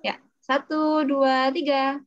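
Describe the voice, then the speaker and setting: Slow, high-voiced Indonesian woman, muffled call. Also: level tone. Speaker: photo-taker in online class. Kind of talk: casual chat. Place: video call. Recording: dull, muffled call audio.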